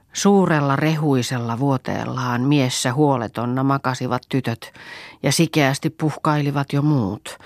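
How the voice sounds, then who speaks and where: A woman narrating an audiobook in a calm, even storytelling manner. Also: extremely low pitch, dry recording, studio quality. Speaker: audiobook reader.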